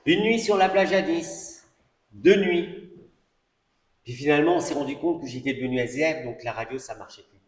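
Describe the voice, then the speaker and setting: A man's voice: on the high side, normal speed. Middle-aged male preacher, casual storytelling testimony with asides, roomy church echo. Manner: conversational storytelling with many asides and fillers. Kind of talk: testimony sermon. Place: church hall. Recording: echoey church hall recording.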